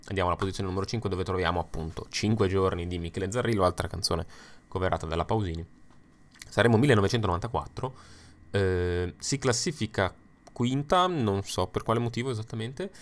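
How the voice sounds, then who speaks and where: Young adult male host, deep voice, casual opinionated commentary full of asides. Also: fairly quick. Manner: chatty, opinionated, with frequent fillers and asides. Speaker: YouTube host ranking songs. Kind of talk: casual spoken commentary over slides.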